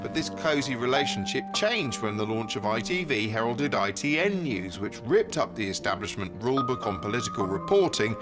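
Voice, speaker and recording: Man, satirical narration, sardonic, animated intonation, music underneath. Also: medium pitch, fairly quick, few pauses. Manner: sardonic, mock-exasperated. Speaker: host and narrator.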